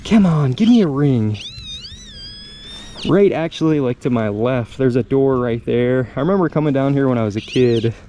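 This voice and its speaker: Mellow, laid-back man vlogging outdoors. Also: medium pitch, animated, normal speed. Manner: laid-back, slangy, musing. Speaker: host of a metal detecting channel. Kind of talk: casual outdoor vlog chat, thinking aloud while searching. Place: outdoors in a park. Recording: outdoor park ambience with clear background noise. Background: park ambience.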